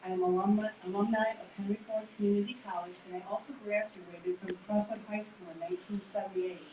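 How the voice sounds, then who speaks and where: A woman in her fifties briskly runs down her résumé as a candidate, matter-of-fact and list-like. The mic is far off in a roomy hall, with steady noise behind her. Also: medium pitch, highs cut off. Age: 50s. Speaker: council candidate. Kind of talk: prepared opening statement. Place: public meeting hall. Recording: echoey hall, distant mic, background noise.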